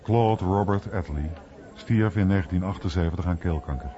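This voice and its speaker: A male documentary narrator reads from a script in a very deep voice. The radio recording is slightly muffled. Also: normal speed, background noise.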